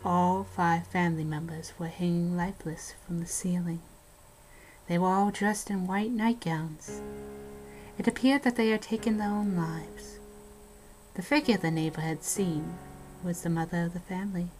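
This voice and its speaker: A woman playing a horror fan who swaps spooky tales in a dramatic way, dipping into hushed tones. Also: lowish voice, steady tone, moderate pace, faint music behind, close to an everyday voice, poor audio. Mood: ominous. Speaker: horror story narrator. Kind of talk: scripted ghost story narration and acted banter.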